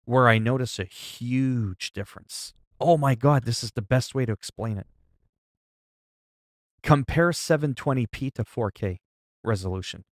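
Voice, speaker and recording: Unhurried and medium-pitched, this livestreamer in his forties chats casually with viewers, swearing freely and rambling as he illustrates ideas with everyday examples. There's no room sound, and the recording is studio quality.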